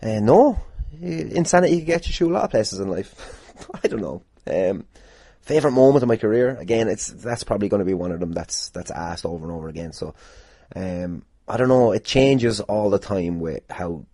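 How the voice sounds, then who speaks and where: A low-voiced Irish man talks casually on his own podcast, recorded close and dry. His tone is mellow and a bit rough, and he rambles along jokily, swearing freely as he answers questions. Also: lively intonation, moderate pace, no echo. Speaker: podcast host, pro wrestler.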